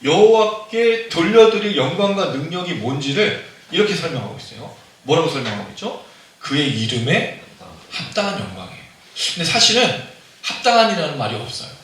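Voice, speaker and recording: A man preaches in a lively, conversational way, often turning to the congregation with questions. His fairly high, bright voice swings widely in pitch. The sound is very echoey, picked up by a microphone set at some distance. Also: brisk, slight background noise. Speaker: pastor. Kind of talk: sermon. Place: church sanctuary. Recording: very echoey hall, mic at a distance.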